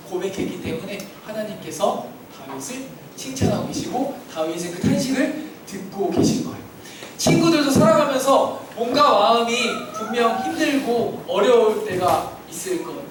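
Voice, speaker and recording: A high-voiced man, a children's pastor, gives an interactive sermon in a church hall, asking the kids questions and leading them in call-and-response. The background is noisy, and the recording has heavy echo from a distant mic, with children audible.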